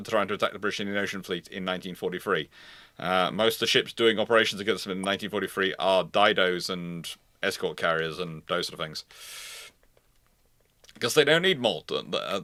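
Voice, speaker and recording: A man's voice: fairly low pitch, bright, forceful tone, dry recording. Man explaining history off the cuff, close-sounding. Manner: halting, repeats and rephrases emphatically. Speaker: host answering naval history questions.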